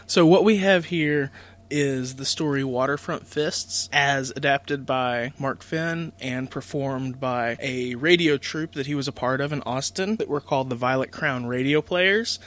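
A man's voice: mid-range voice, a little slow, fairly bright tone. A man co-hosting a podcast, giving a casual, conversational introduction. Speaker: podcast co-host. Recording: faint noise and hum.

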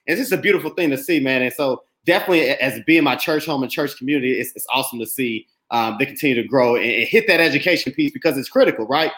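A man's voice: medium pitch, quick pace, hardly any pauses, fairly bright tone. Upbeat man hosting, roomy sound. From Indianapolis, United States. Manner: enthusiastic, says "man" often. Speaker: podcast host. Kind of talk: casual conversational interview. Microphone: remote call mic. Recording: roomy echo.

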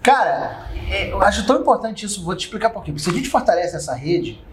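Lively high-voiced man, animated. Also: fast talker, a crowd in the background, poor audio. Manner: animated and jokey, laughs easily. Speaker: restaurant consultant. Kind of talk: casual podcast chat.

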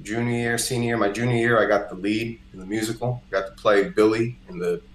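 Low-voiced Costa Rican-born man, roomy sound. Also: fairly even intonation, a little fast. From Costa Rica. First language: Spanish. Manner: conversational, peppered with "like" and "you know". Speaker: podcast guest, singer-songwriter. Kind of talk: casual chat, personal storytelling. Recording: roomy, echoey indoor sound.

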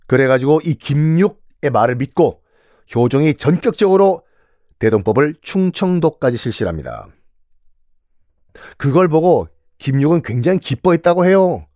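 A man's voice: a little high, moderate pace, no room sound, studio quality. A man telling history in a casual, playful podcast lesson, acting out quotes as he goes. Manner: playful, animated, acts out quotes.

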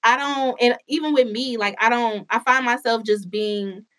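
A woman's voice: a little high, normal speed, pushed and bright. Candid African American woman chatting casually. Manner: informal and candid, peppered with swearing. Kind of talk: casual chat.

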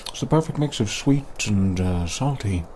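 A man's voice: lowish voice, lively intonation, moderate pace, a little mellow, slight background noise, natural voice. A man playing an easygoing, boastful monster hunter for hire in an audio drama, with a hesitant, rambling delivery. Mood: casual, curious. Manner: hesitant, rambling, munches while talking.

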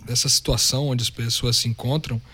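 Thoughtful mid-pitched man reflecting. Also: steady tone, a little fast, sharp tone, husky. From São Paulo, Brazil. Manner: thoughtful, restarts while searching words. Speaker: podcast co-host. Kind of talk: reflective religious discussion.

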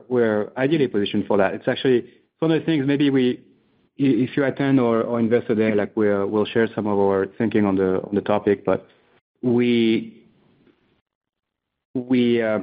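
A man speaking as a company executive, explaining things conversationally but haltingly on an earnings call. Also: fairly low pitch. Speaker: company executive answering analysts. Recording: tinny phone-like conference line.

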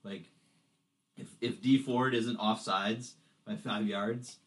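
A man co-hosting a podcast in casual chat, animated, swearing and laughing often. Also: on the low side, slow. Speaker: podcast co-host.

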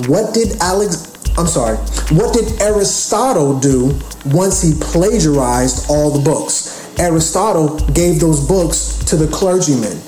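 A man's voice: a little high, animated, measured pace, warm tone, reverberant, faint music behind, rough recording. A man in his late thirties hosting a podcast, lecturing in a repetitive, preachy way full of rhetorical questions. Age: 30s. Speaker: podcast host. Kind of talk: casual monologue.

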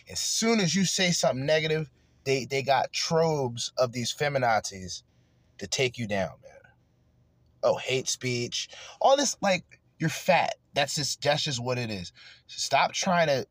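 A man's voice: medium pitch, no room sound. A man hosting a podcast, ranting crudely and angrily in heated commentary. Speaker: podcast host.

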